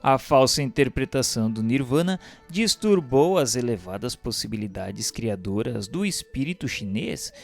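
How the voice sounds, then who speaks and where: A man narrating a spiritual text from a script in a solemn, formal, oratorical and measured way. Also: mid-range voice, gravelly. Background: music.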